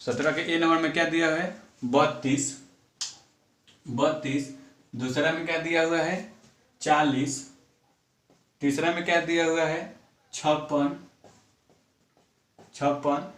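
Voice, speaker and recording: Slow and steady, with frequent pauses and a slightly bright, fairly high voice, a man works through a math lesson. He counts sums out loud and asks and answers his own questions, heard from a distance in an echoey room.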